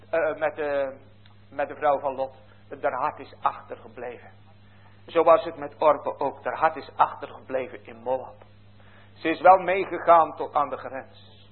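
A man preaching a sermon earnestly and fervently, swinging from hushed to loud. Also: fairly high pitch, husky. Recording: tinny phone-like lo-fi recording.

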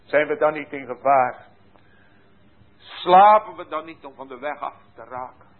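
A man preaching a sermon with passion, dropping to a hush and then rising loud again. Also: a little high, unhurried. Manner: impassioned, swinging from hushed to loud. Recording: tinny phone-like sound.

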